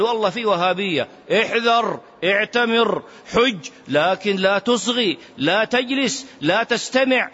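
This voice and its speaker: A man's voice: a little high, sharp tone. Emphatic man teaching a mosque lesson. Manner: emphatic, chanting some phrases, rhetorical questions. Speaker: religious teacher. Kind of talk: mosque lesson explaining hadith. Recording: muffled lo-fi recording.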